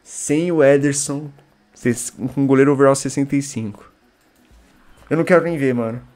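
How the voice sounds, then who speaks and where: A young man with a Brazilian Portuguese accent talks at normal speed and medium pitch as he streams a game, using slang, chatting with viewers, and erupting into shouts from time to time.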